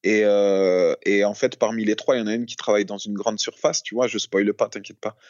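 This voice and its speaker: A man in casual chat, telling a story in a halting, slangy way with many fillers. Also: fairly low pitch, fairly even intonation, darkish tone, no echo, highs cut off.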